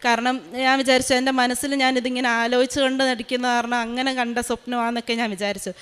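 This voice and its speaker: Rapid, smooth-voiced woman giving a testimony. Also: on the high side, level tone, a bit bright. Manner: quick and earnest, with frequent hesitation sounds. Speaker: maternity nurse giving a testimony. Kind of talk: emotional personal testimony. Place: large church hall.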